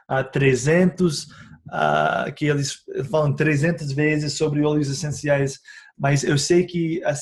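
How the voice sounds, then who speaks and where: Hesitant man with a slightly high voice. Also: darkish tone. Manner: hesitant, frequent filler sounds and tag questions; speaks a learned second language with self-corrections. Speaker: essential oils educator. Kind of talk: casual teaching video.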